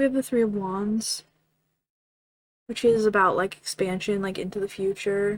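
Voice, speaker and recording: Soft-spoken and medium in pitch, a woman talks at a moderate pace with fairly even intonation and long, frequent pauses. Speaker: tarot reader. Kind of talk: tarot reading. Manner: halting.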